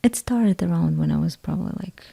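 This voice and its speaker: A woman from Lithuania talking as a podcast guest, halting and restarting her phrases, sometimes sinking to a near-whisper. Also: lowish voice, gravelly, dark tone. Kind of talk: casual conversation.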